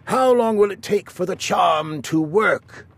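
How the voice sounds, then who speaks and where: A man voicing a fretful, imperious storybook king who speaks in high, shrill exclamations. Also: a little slow, gravelly, no echo, full character voice. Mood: commanding.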